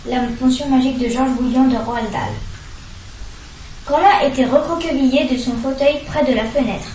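A woman reading a children's storybook aloud, lively and expressive. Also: high voice, normal speed, roomy sound, distant mic, noisy background. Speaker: reader.

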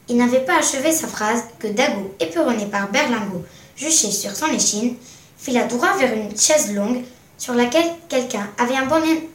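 A woman reading a children's adventure story aloud, recorded with roomy echo from a distance. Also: fairly high pitch. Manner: clear, even reading with character voices. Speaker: reader.

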